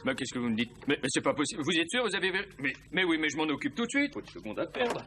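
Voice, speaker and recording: A man's voice: a little high, very animated, rapid-fire, pushed and bright, exaggerated voice. A man playing a flustered, avuncular old Father Christmas in a children's toy video, with stagy, exaggerated amateur acting. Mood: flustered, indignant. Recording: old VHS tape with music behind.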